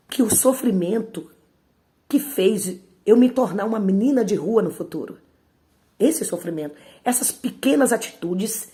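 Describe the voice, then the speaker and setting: A woman's voice: mid-range voice, darkish tone. A woman giving an emotional spoken testimony and speaking straight to her audience. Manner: emotional, repeatedly addresses the audience directly.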